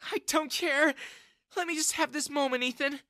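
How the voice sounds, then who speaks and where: A storybook narrator voicing a clingy, tearful middle-aged mother, pitched high above the narration. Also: animated, moderate pace, bright, forceful tone, no echo, clean studio sound, full character voice. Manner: pleading, sobbing.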